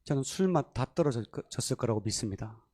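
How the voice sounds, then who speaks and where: A man's voice: medium pitch, fast. A male pastor preaching a sermon in a church, telling stories and acting out the voices of people in them. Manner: animated, acts out quoted voices, laughs often. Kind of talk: sermon with storytelling. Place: church sanctuary.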